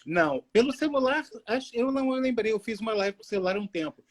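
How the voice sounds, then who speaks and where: A man from Rio with a Carioca accent, an author talking about his books in a casual livestream interview, friendly and relaxed. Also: very high-pitched, fast, crowd noise. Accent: Carioca Brazilian Portuguese. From Rio de Janeiro, Brazil. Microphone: phone livestream.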